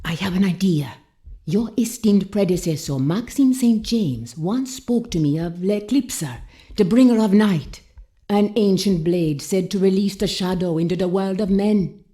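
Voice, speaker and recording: A woman plays a stern voodoo priestess for a video game. Her voice is mid-range and velvety dark. She speaks with measured, portentous authority and a dry edge. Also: medium pitch, lightly acted. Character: mysterious, commanding voodoo priestess mentor, dry and knowing. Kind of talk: video game drama acting.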